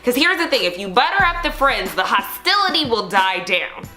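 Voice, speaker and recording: A woman's voice: fairly high pitch, very animated, moderate pace, pushed and bright, reverberant, faint music behind. A young woman co-hosting a podcast, giving frank, slangy advice in a casual, emphatic way. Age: young adult. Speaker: podcast co-host.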